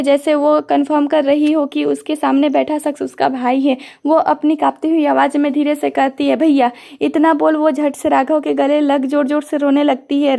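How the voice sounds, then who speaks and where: A woman narrating a romantic audio drama story in a steady, even manner. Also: sits high, creaky.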